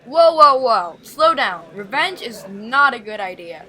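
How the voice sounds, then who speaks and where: Woman acting as a cautious school friend, high pitch, bright tone, peace-loving, cartoon roleplay. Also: very animated, a little slow, exaggerated voice. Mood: cautioning.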